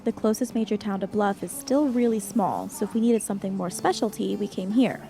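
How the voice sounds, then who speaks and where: A woman's voice: medium pitch, fairly quick, vocal fry, over music, close to an everyday voice. A woman playing a practical, matter-of-fact young water nymph in a naturalistic audio drama. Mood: wry, nostalgic.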